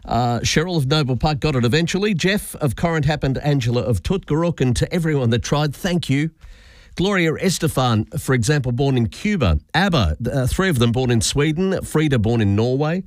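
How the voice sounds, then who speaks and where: A man's voice: mid-range voice, expressive, fairly quick, no echo. Australian male radio host, dry studio sound. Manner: hesitant, many fillers. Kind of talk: casual radio chat. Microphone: studio microphone.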